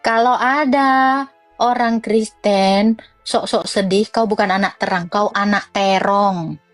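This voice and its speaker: A young woman, giving a blunt, mocking Christian commentary full of laughs and pitch swings. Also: steady tone, takes it slowly, faint music behind. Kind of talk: informal religious commentary rant.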